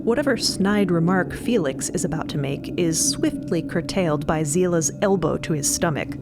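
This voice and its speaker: A woman narrating audio fiction in the present tense, in a vivid, deliberate storytelling manner. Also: on the low side, heavy background noise. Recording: loud music under the voice.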